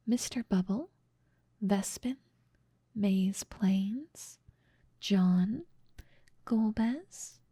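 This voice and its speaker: Asmr girl whispering to her viewers, breathy n soft, really dry close sound. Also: medium pitch, no room sound. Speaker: ASMR creator and host. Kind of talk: whispered ASMR outro, thanking supporters.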